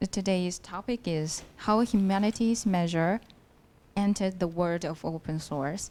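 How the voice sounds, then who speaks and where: Speaking with a Chinese accent, a woman uses a medium pitch and lively intonation. Her pace is fairly slow. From China. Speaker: conference speaker. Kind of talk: conference talk. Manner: hesitant, with fillers.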